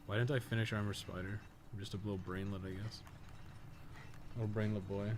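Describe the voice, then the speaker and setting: A man's voice: lowish voice, little pitch movement, a little fast, background noise. A man livestreaming a game, chatting casually and thinking aloud in a rambling, slangy, sweary way. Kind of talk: casual gameplay commentary, chatting while playing.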